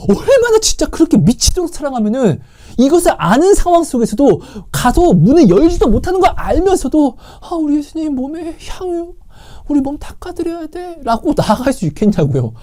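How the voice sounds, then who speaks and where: A woman delivers an impassioned sermon in a warm, mellow voice. Her pitch leaps and dips all over the place as she exclaims and retells the story with feeling. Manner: emotional, exclaiming, acts out biblical quotes. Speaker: preacher sharing testimony.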